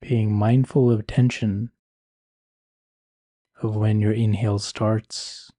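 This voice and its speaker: A man leading a guided meditation in a soothing, measured and gentle manner. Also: lowish voice, flat delivery, no room sound, clean studio sound.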